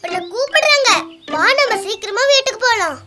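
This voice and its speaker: A woman's voice: very high voice, lively intonation, fairly quick. A woman voicing a friendly, timid young puppy with an earnest childlike manner in a children's cartoon. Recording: loud music behind the voice.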